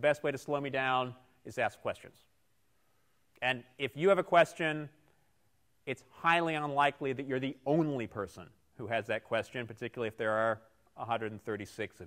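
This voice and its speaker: On a very clean recording with a silent background, a man speaks at a medium pitch and a fairly quick pace with ordinary pitch variation. His loudness swings widely, and he pauses long and often. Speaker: university lecturer. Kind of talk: lecture. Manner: fast.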